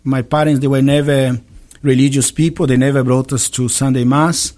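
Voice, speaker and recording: A man's voice: medium pitch, fairly even intonation, moderate pace, a little mellow. Brazilian priest guy in an interview, accented english, lots of uhs, jokes around. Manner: chatty, joking, frequent hesitations. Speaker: Catholic priest. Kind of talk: interview, personal story.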